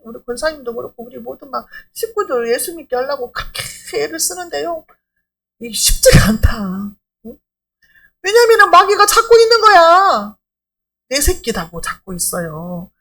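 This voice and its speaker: A woman's voice: a little high, expressive, normal speed, vocal fry. A middle-aged woman pastor preaching a sermon in an emphatic, conversational way, asking rhetorical questions.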